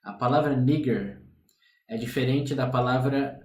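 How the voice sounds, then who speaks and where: A man's voice: medium pitch, fairly even intonation, a little fast, darkish tone, echoey room. A man with a Brazilian Portuguese accent co-hosting a podcast, explaining things to listeners in casual chat. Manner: explanatory, sets up context for listeners. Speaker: podcast co-host.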